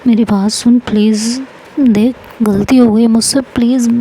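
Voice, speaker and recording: A woman voicing a schoolgirl friend who keeps begging others to calm down and apologizes. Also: on the high side, unhurried, slight background noise, natural voice, low-quality recording. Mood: pleading. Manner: pleading, placating. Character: pleading peacemaking schoolgirl friend Srishti.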